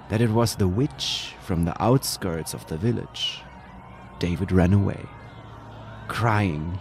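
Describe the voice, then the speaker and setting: Man, German native speaker, low voice, unhurried dramatic horror narration. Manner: slow, deliberate, dramatic pauses. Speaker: storyteller. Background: music.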